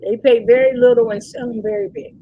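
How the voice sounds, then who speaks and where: Woman, webinar presenter, fairly high voice, informal teaching, repeats points, faint noise on the call. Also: very animated, quick pace, vocal fry, muffled recording. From Cleveland, Ohio. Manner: repeats points, checks in with "all right?". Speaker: presenter teaching about nonprofits.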